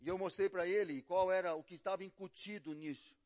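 Brazilian male pastor, middle-aged, higher voice, storytelling sermon that drops quiet then surges loud. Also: steady tone, brisk. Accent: Brazilian Portuguese. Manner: storytelling, swings between hushed and loud. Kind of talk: sermon with acted quotes.

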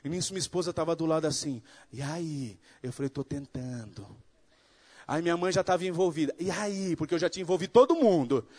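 A Brazilian man gives a sermon testimony, telling his story with animation and acting out its dialogue before building to fervent preaching. His voice is fairly high and fairly quick.

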